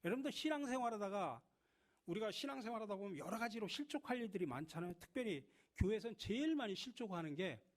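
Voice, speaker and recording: Lively Korean pastor preaching a sermon. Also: male voice, high voice, quick pace. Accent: Chungcheong Korean. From Chungcheong, South Korea. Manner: lively, addresses congregation directly with humor. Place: church.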